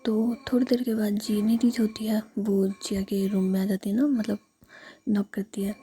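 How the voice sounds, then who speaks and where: A woman narrating a story in a steady whisper. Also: mid-range voice, normal speed, a little hiss or hum.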